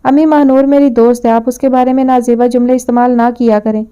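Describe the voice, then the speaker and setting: A woman's voice: on the high side, level tone, mellow, clean tone, close to an everyday voice. A woman reading an audio novel, voicing a sly young man who coaxes and teases. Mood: pleading.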